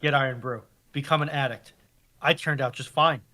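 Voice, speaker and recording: A man's voice: mid-range voice, steady tone, moderate pace, pushed and bright. A man co-hosting a casual livestream, speaking conversationally with a dry, joking manner. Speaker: livestream co-host.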